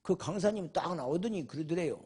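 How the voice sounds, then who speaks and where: An older male pastor preaching a revival sermon, telling a story dramatically, swinging from shouted questions to a hushed murmur. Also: a little high, expressive, a little fast, husky.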